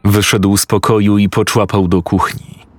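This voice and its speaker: A man narrating a horror story in a measured first-person tone. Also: on the low side, flat delivery, dry recording.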